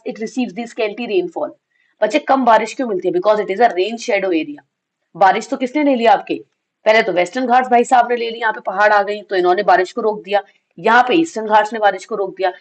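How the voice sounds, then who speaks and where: A woman's voice: mid-range voice, fairly quick. A woman teaching an exam revision lesson with a slightly sore throat, asking questions and answering them herself and mixing in English phrases. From India. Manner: addresses students as kids.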